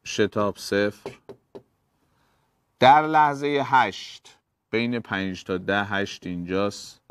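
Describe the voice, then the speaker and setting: A man's voice: fairly low pitch, fairly bright tone, smooth. A man, a physics teacher, working through exam problems step by step and talking straight to his students. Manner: explains step by step, addresses students directly.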